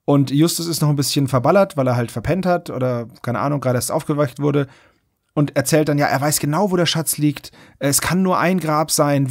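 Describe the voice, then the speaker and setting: A man's voice: medium pitch, dry recording, studio quality. A man co-hosting a podcast, recapping stories in a casual, conversational way. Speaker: podcast host. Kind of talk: casual plot recap chat.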